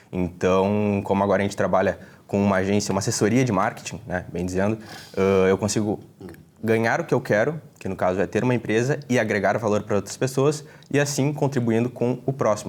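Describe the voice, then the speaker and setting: Here a man uses an ordinary speaking voice, pitched fairly low. He moves at a fairly quick pace with ordinary pitch variation. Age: young. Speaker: marketing agency entrepreneur. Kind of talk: interview.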